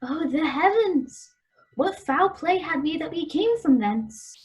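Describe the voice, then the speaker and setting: A high-pitched woman acting as a tender young daughter in a Shakespeare radio play. She speaks old verse earnestly and theatrically, as a devoted girl addressing her father. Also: expressive, takes it slowly. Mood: curious, attentive.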